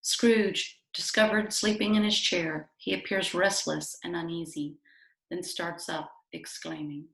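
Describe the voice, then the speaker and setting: A woman's voice: lowish voice, steady tone, measured pace, gravelly, a bit bright. A woman reading scripted stage directions as the narrator of a play. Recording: very echoey room.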